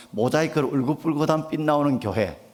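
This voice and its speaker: Here a man talks at a moderate pace. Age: 60s. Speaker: guest pastor. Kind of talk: sermon. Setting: church. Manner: hesitant fillers (ah, uh).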